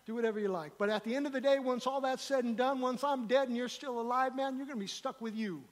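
An American man preaching a live church sermon as pastor, with emphatic repetition and swings between loud declarations and quieter asides. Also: extremely high pitch, fast. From United States. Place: church hall. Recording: live church sermon with long hall reverb.

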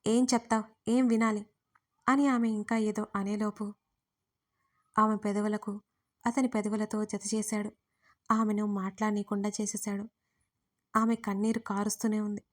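Woman, story narrator, romance audio story, steady reading, flat pitch. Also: normal speed, long pauses. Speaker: writer and narrator.

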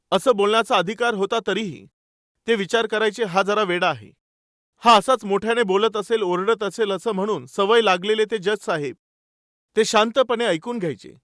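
A man's voice: high-pitched, a bit bright, no room sound, studio quality. A man preaching a sermon, calling his listeners dear brothers and sisters and telling stories with quoted dialogue.

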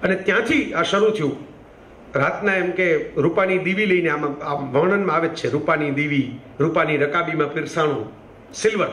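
A man's voice: a little high, moderate pace, fairly bright tone, reverberant, a little hiss or hum. A man tells a story in a conversational, digressive way, full of asides. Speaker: storyteller, speaker. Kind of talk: storytelling talk.

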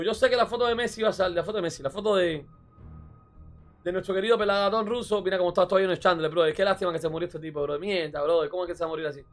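Streamer, male, high-pitched, chatty and repetitive, light music bed. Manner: excitable, repeats phrases, says "bro" often. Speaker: reaction streamer. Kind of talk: casual reaction commentary.

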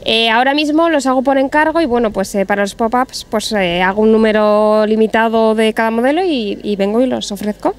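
A woman's voice: on the high side, brisk, few pauses. A woman designer answering interview questions about her handbags in a friendly way with many fillers, outdoors into a handheld mic. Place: outdoor market.

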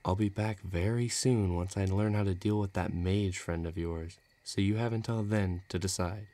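A man's voice: low voice, steady tone, normal speed, warm tone, close to an everyday voice. A man playing a cocky, menacing villain in a romantic audio roleplay, taunting and self-assured. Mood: coaxing, menacing. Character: cocky, menacing male villain, playful but threatening.

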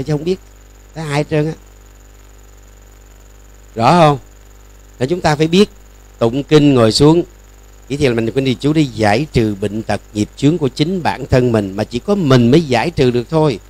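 An older Buddhist monk with a Southern Vietnamese accent gives a sermon. He talks in a folksy storytelling way and acts out the people in his stories. His voice sits at an average pitch for a man. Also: a little mellow.

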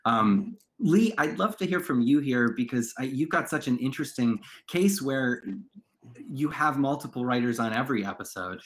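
A man's voice: medium pitch, lively intonation, normal speed, a bit bright. A man moderating a panel conversation on a video call in an affirming, enthusiastic manner. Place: indoor room on a video call.

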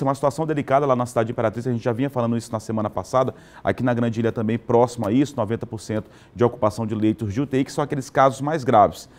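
A man's voice: medium pitch, a little mellow. A man anchoring a live morning news show from a studio, chatting directly to viewers. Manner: conversational, addresses viewers directly.

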